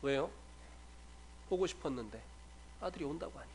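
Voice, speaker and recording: Guest preacher, male, higher-pitched voice, earnest sermon delivery with "uh" fillers, church setting. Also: lively intonation, fairly quick, slight background noise. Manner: frequent filler sounds between phrases. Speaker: guest preacher, former missionary. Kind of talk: evangelistic sermon with personal story. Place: church sanctuary.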